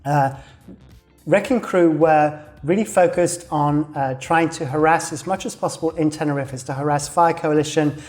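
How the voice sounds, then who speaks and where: At a normal speed and medium pitch with a darkish tone, a host loosely rambles through a weekly news recap of a game world, drawing on a map as they go. Fillers and self-corrections abound, and the slightly tired voice seems to be fading. They laugh at their doodling while faint music plays underneath.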